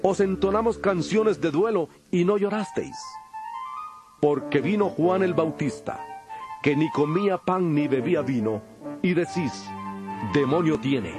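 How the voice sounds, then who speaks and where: A man acts a solemn teacher addressing crowds in a dramatized Bible recording. His voice sits slightly high for a man, and his delivery is measured and declamatory, with music underneath. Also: close to an everyday voice. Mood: reproving. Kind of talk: dramatized audio Bible acting.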